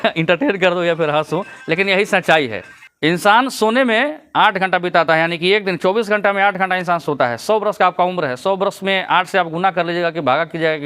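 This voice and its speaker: A man's voice: sits high, a bit bright, smooth. A man giving casual vlog commentary, lecturing his viewers and chuckling between points. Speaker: YouTube commentator.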